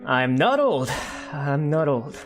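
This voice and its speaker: A man's voice: a little high, sing-song, slow, soft background music. Rambling young man chatting on stream. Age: 20s. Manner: rambling, many fillers and self-corrections. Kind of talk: casual livestream chat while drawing, reading viewer comments.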